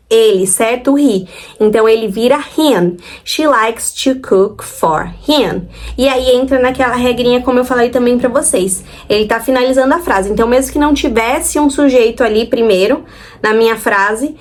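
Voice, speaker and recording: A Brazilian woman teaches an English grammar lesson in a fairly high voice. She drags out each example sentence slowly, says it twice, and keeps checking in with her students. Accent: Brazilian Portuguese. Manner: slow, drawn-out model sentences with repetition, frequent "certo?" checks.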